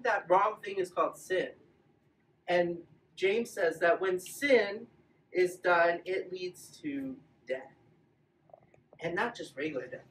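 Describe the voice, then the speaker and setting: A woman teaching a children's Bible class in a playful, animated way, coaxing the kids to join in. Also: medium pitch, recorded from a distance, a little hiss or hum. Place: large echoey room with a group of children. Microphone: camera at a distance. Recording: roomy echo, recorded from afar.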